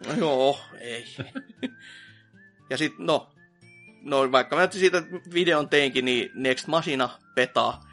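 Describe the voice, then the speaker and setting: A man's voice: mid-range voice, long pauses, fairly bright tone, faint music behind. A man co-hosting a podcast, ranting and sarcastic, swearing and laughing in casual chat. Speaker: podcast co-host.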